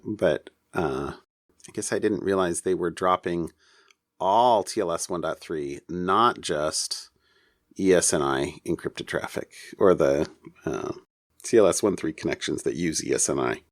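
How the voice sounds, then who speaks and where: A man co-hosting a casual tech news discussion, talking in a halting way as he thinks aloud. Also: low voice, no room sound, clean studio sound. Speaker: podcast co-host.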